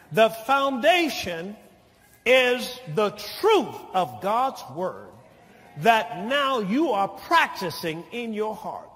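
An older man preaching a sermon as pastor, teaching slowly and deliberately, then building to shouted lines and calls for amen. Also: extremely high pitch. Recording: long hall reverb of a church.

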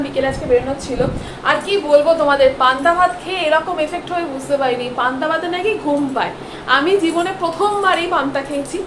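A young woman vlogging her day in a chatty way, mixing in English words, filmed on a phone at home and on busy streets. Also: high voice. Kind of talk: casual daily vlog chat. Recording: noisy street and room background.

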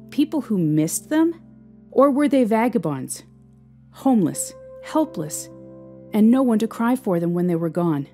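A woman narrating a scripted audio drama in a measured, expressive, somber manner. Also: medium pitch. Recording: music under the voice. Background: instrumental music.

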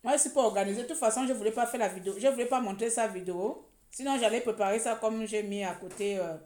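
A woman's voice: on the high side, racing, darkish tone, reverberant. A woman from Gabon on a live social media broadcast, talking in a heated, mocking way and repeating words for effect. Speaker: online commentator.

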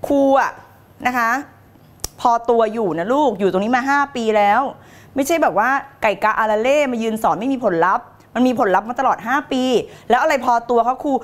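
A middle-aged woman with a slightly high voice teaches on a live stream, talking a bit fast. She reads out viewer comments playfully and theatrically, laughing and putting on voices.

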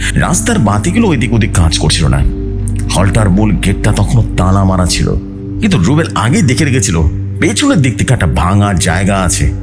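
A man reading a scripted horror story aloud in a suspenseful, theatrical way. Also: fairly low pitch. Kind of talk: dramatic scripted horror narration, read aloud. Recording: music bed behind the voice.

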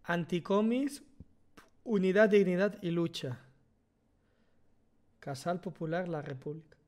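A man's voice: sits high, a little slow, darkish tone. A young man with a Spanish accent from Spain, streaming casual reaction commentary from a headset at home, interrupting with muttered asides and emphatic bursts. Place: small room at home.

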